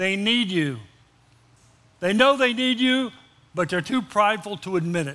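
A man's raised, projected voice, bright and sharp in tone, with lively intonation at a moderate pace. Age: 70s. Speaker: pastor. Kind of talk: sermon. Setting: church.

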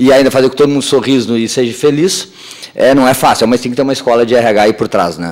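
A man's medium-pitched voice, very fast, with ordinary pitch variation and noticeable background noise. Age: 40s. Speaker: entrepreneur and company founder. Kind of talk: radio interview. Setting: radio studio.

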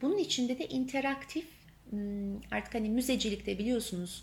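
The voice is a woman's. It has a somewhat breathy quality. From Turkey, Eskişehir. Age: 50s. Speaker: city cultural administrator. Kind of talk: interview.

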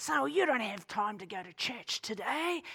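In a put-on character voice, a woman of medium pitch speaks at a moderate pace with very wide pitch swings.

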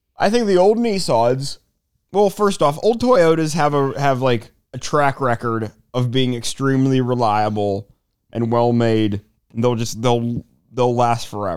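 Here a man has an ordinary speaking voice at medium pitch. He talks at a fairly slow pace with lively intonation. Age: 30s. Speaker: podcast co-host. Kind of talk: casual chat.

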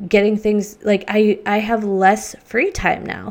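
Against a quiet background, a woman with a medium pitch and an animated tone speaks at a fairly slow pace. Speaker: podcast host and nutritionist. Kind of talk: angry rant, impassioned solo monologue. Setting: home office, space heater running. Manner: frustrated, heated.

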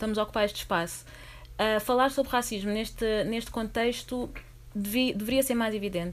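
This woman has a normal speaking voice with a fairly high pitch. She talks at a fairly quick pace with fairly even intonation. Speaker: debate moderator. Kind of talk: panel moderation. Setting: stage with audience.

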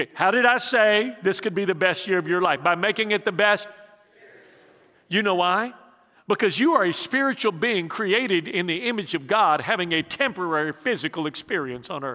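The voice is raised and projected, with lively intonation. It moves at a fairly quick pace. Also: man, high pitch for a man. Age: 60s. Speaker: pastor. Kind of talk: sermon. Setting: church.

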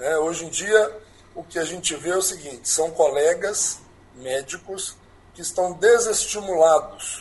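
A high-pitched man at a fairly slow pace. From Minas Gerais, Brazil. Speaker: cardiologist. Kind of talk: casual interview.

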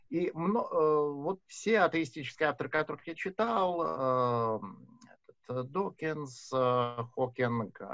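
With lively intonation, a man talks in an unremarkable speaking voice. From Russia, Murmansk region. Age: 50s. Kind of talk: interview.

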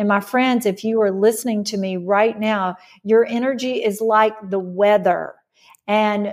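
Speaking with a Southern US accent, a woman talks at a medium pitch and a fairly slow pace in an animated tone on a very clean recording with a silent background. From US South, North Mississippi. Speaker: motivational speaker and author. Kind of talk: interview.

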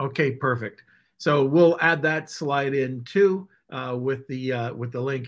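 A man with a normal speaking voice talks fairly slowly at a medium pitch, using ordinary pitch variation. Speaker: podcast host. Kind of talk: casual chat. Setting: video call.

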